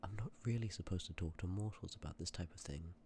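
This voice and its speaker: A man playing a sympathetic, courteous Death in an ASMR roleplay, speaking with measured, formal politeness and often dropping toward a breathy whisper. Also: deep voice, darkish tone, slight background noise. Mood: apologetic, explanatory. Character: sympathetic, courteous personification of Death, calm and ancient. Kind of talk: ASMR roleplay, scripted acting addressed to listener.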